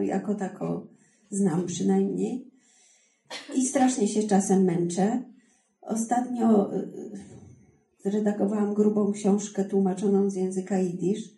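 A woman's voice: mid-range voice, mellow, echoey room, far from the mic, rough recording. A woman, a book editor with a translator's diploma, telling stories in a podcast conversation, self-deprecating and emphatic.

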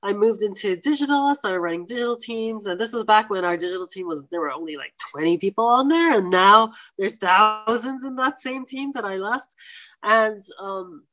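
Interview guest: woman, 40s, from New York, animated storyteller who mimics voices. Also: mid-range voice, moderate pace. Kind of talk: conversational interview.

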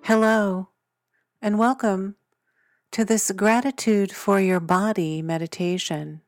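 A woman leading a guided body scan meditation in a gentle, soothing manner. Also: medium pitch, steady tone, takes it slowly, dry recording, soft background music.

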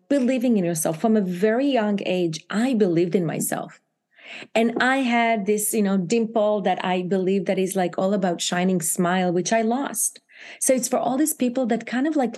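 A woman from Israel with an Israeli accent, an author talking animatedly about her book in an interview, often laughing and jumping higher for emphasis. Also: warm tone. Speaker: author guest. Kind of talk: interview chat.

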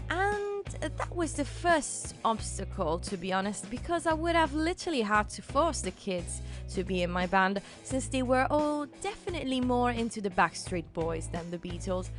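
A woman hosting a podcast, telling a scripted story in a conversational way and speaking directly to her listeners. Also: medium pitch. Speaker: podcast host. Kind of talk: scripted storytelling narration with personal asides.

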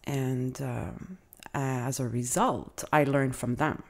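Woman teacher, middle-aged, low easy voice, reflective interview guest. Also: fairly even intonation. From Canada. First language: Italian. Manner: reflective, measured, frequent uh and um fillers. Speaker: adult educator, guest. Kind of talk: interview answers.

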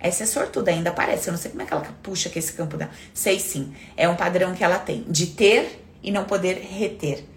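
A woman hosting a casual self-help live talk, animated and acting out inner voices, swearing casually. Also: on the low side, fast talker, slight background noise.

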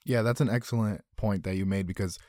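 A man's voice: on the low side, steady tone, fast, warm tone, no room sound, studio quality. A man from Miami with an American accent, hosting a conversational interview podcast. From Miami, Florida.

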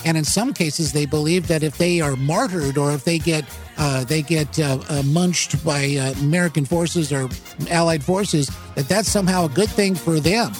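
With soft music playing in the background, a man hosting talk radio comments on the news through a studio microphone. His voice is a little high, and his delivery is rambling and halting, heavy with fillers and self-corrections.

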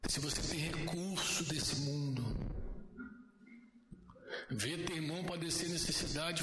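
A man preaching informally to church leaders, telling stories in a blunt, slangy, animated way. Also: a little high. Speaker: pastor. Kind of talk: informal sermon talk. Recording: echoey hall with noise.

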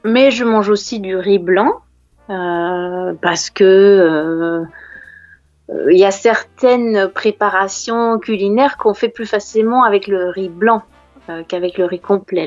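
French woman chatting, patient, lots of little pauses, dry kinda muffled sound w faint music. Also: medium pitch, a little mellow, no echo. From France. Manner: patient, explains words slowly with many hesitations. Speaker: native French conversation partner. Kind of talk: casual conversation practice.

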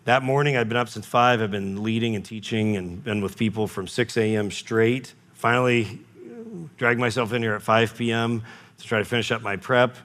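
A man preaching a sermon to his congregation in an earnest manner, often restarting and correcting himself mid-sentence. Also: lowish voice. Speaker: pastor.

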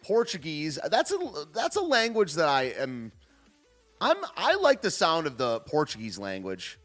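A man's voice: a little high, wildly swooping pitch, a little slow, fairly bright tone, soft background music. A man hosting a casual livestream, reacting to clips and chat in a joking, rambling way that often trails off and restarts. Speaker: livestream host. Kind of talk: casual commentary, reading chat.

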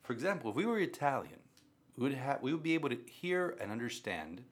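A man's voice: medium pitch, sing-song, fast talker, breathy edge. A man who is a Catholic priest and grew up speaking Spanish, talking conversationally about faith and repeating phrases for emphasis. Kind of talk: conversational religious talk.

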